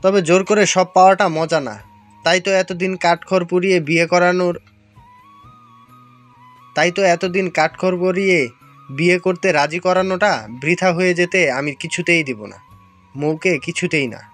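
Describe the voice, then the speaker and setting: A scheming, possessive young fiancé demands answers in a high, forceful voice, as a man acts him out. Soft music runs underneath this audio story. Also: moderate pace, long pauses. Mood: demanding.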